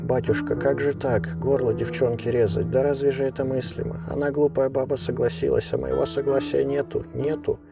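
A man's voice: mid-range voice, level tone, fairly quick, creaky, few pauses, far from the mic, over music, voice pushed up, lightly acted. A man voicing a stubborn, fearful old peasant grandmother who nags in a whining voice. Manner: nagging whine.

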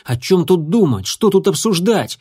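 A man's voice: high voice, sing-song, moderate pace, dark tone, breathy edge, pitched above the performer's own voice, full character voice. A man voicing an impatient warrior tom cat who grumbles in exasperation. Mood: exasperated.

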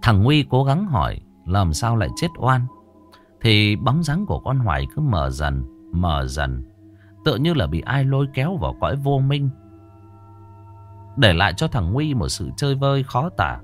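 A man narrating a ghost story in a dramatic, expressive way. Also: mid-range voice, normal speed, soft background music.

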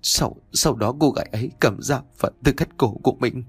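A man's voice: medium pitch, moderate pace, slightly rough, dry recording, soft background music, natural voice. A man voicing a frightened middle-aged wife who pleads and stammers tearfully, in a raised voice.

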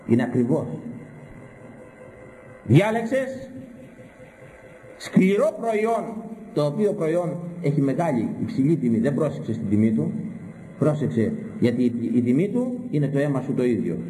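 A man's voice: mid-range voice, warm tone, in a large hall, low-quality recording. A man preaching a stern, scolding sermon full of rhetorical questions. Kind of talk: sermon with Bible interpretation.

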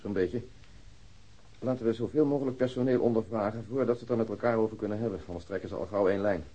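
An actor playing a wry, matter-of-fact police detective in a Dutch radio crime drama, briefing in an orderly way. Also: male voice, on the low side, quick pace, dark tone, slightly rough, lo-fi sound. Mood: wry, businesslike.

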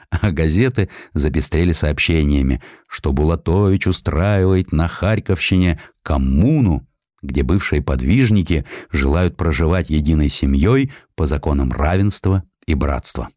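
A man reading a scripted historical sketch as an audiobook narrator, in an expressive, dramatic storytelling manner. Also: sits low, moderate pace, no echo, clean studio sound. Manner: expressive storytelling, acting out quoted speech.

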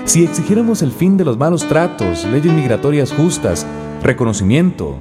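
A man's voice: a little high, very animated, moderate pace. Solemn male narrator over guitar. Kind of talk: scripted narration.

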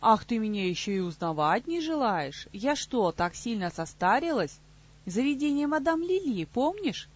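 A woman voicing a brash, aggressive woman in an audiobook, scolding in a shrill, husky voice. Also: sing-song, moderate pace, muffled recording. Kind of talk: audiobook character voice.

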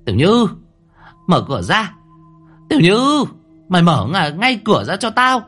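A man's voice: medium pitch, animated, a little fast, husky, soft background music. A man voicing a furious, bossy middle-aged mother who screeches threats and scoldings.

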